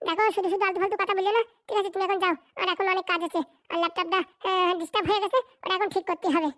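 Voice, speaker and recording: An impatient, boastful cartoon husband snaps and grumbles in a tiny, high, sped-up voice. He talks in quick bursts. The sound is dry and close to the mic. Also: steady tone, bright, forceful tone, no echo. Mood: irritated. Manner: snappish, dismissive bickering.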